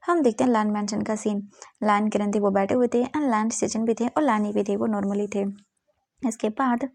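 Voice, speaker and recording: A woman's voice: a little high, vocal fry, a little mellow, no echo. A woman narrating a fan fiction story in a casual telling, reading every character's lines in much her own voice and mixing English words in. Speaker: fanfiction narrator.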